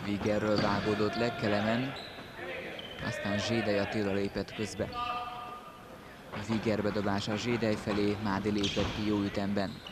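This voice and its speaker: A man with a low-leaning voice and little pitch movement delivers terse play-by-play commentary on indoor football, clipping out players' names. Loud sports-hall noise and a bouncing ball fill the recording.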